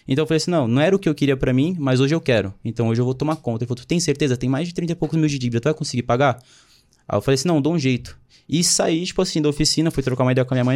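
Fast-talking young man telling his story. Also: mid-range voice, darkish tone. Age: 20s. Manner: slangy storytelling, quotes others' words. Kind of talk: casual chat.

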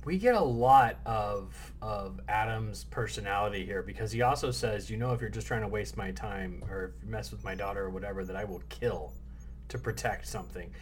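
A man's voice: fairly low pitch, a little fast. A man co-hosting a podcast in casual chat, reflective and thinking aloud. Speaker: podcast co-host. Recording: faint background noise.

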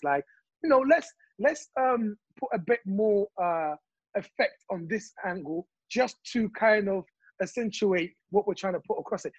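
A man from Congo talking passionately in casual chat, telling his views with animated stories. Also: high-pitched, breathy edge, dry recording, lo-fi sound.

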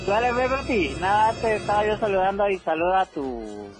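A man's voice comes over a landline phone line into a radio studio, pitched a little above the usual for a man. He chats in an easygoing, friendly way, with music playing under the call. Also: expressive, moderate pace. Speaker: radio caller. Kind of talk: casual chat on air.

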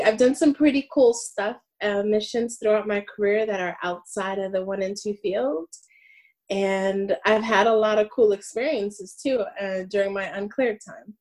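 A Brooklyn-raised woman in her late thirties, whose first language is French, speaks in a medium-pitched, somewhat dark voice. She's an Air Force sergeant appearing as a guest in a casual interview. Her answers come with hesitant fillers and lots of laughter.

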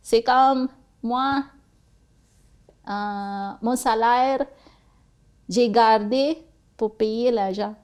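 A woman in her forties from the Philippines with a Filipino accent, whose first language is Bisaya, answering interview questions haltingly and searching for her words. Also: fairly high pitch, darkish tone, clear, resonant tone. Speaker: interview guest. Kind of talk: casual interview.

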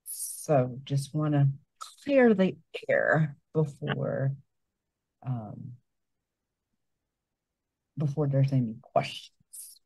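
Guy co-host rambling on and repeating himself, husky, dry sound. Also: medium pitch, animated, very slow, pauses often, a little mellow, dry recording, low-quality recording. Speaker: podcast co-host. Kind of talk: casual show chat. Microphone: desk setup with monitor.

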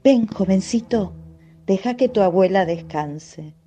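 A woman voicing a nurse who talks slowly and soothingly, as if to children, in a radio play. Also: mid-range voice, expressive, dark tone, lo-fi sound, faint music behind, natural voice. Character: brisk female nurse, then grand witch. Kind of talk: radio drama acting.

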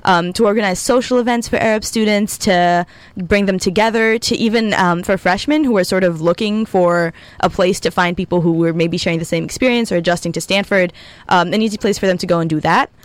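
A woman of about twenty, from Egypt and raised in Abu Dhabi, talking casually as a student guest in a radio interview, relaxed and upbeat with frequent ums. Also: on the low side, brisk, no echo.

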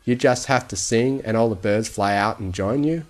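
A man playing a calm, kindly old pony. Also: mid-range voice, natural voice. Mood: kindly, conversational. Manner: conversational, measured, gentle.

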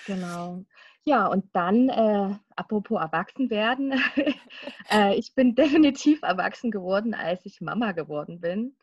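A woman's voice: mid-range voice, expressive, moderate pace, darkish tone, husky, no echo, dull audio. A woman in her thirties, a guest in a casual podcast interview, talking chattily with frequent laughs and fillers. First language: German. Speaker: guest, singer and children's author.

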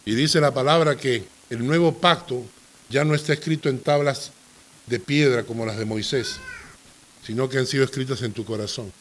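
A man's voice: medium pitch, moderate pace, a bit bright, a little hiss or hum. A middle-aged man, a pastor teaching a Bible study, who tells stories with animation and often checks that his listeners agree.

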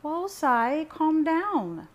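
A woman's voice: high voice, very animated, extremely slow, pitched above the performer's own voice, full character voice. A woman voicing a meddling mother who talks with false sweetness and a leer, in an audiobook reading. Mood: soothing. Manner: cloying, leering.

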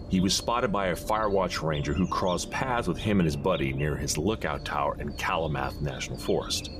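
In an audio drama, a male actor with a rumbling low voice plays a gruff, pious deputy marshal. He talks in a dry, folksy, deliberate manner, like a storyteller.

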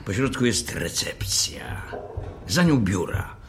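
An actor playing a pompous, officious hotel manager in an audio drama, speaking in a formal, methodical way. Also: male voice, lowish voice, very animated, takes it slowly, in a whisper, exaggerated voice. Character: officious, pompous male hotel manager briefing a new caretaker.

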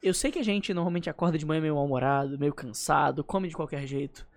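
A man's voice: on the high side, quick pace. A young man talking as a guest on a podcast, speaking into a studio mic. He jokes constantly and slips into acted-out scenes. The tone stays loose and playful. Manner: joking, playful, acts out scenes in put-on voices. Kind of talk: casual podcast chat.

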